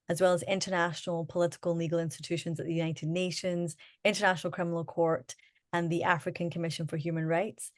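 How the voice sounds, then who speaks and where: A woman moderating a community briefing, introducing a lawyer and asking him questions in a measured way. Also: on the low side, darkish tone, dry recording, studio quality.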